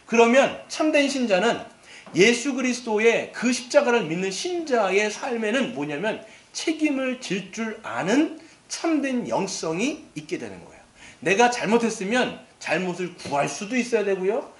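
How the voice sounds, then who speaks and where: A middle-aged male pastor preaching a sermon in an animated way, acting out quoted lines and asking the congregation questions. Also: high voice, moderate pace. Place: church sanctuary. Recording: echoey church hall.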